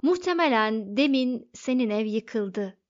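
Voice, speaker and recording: A cool, unbothered man who talks calmly and offhandedly, with a woman reading him in an audiobook. The voice sits a little high, and the recording sounds dull and lo-fi. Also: a little slow. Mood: calm, offhand. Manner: calm and unbothered.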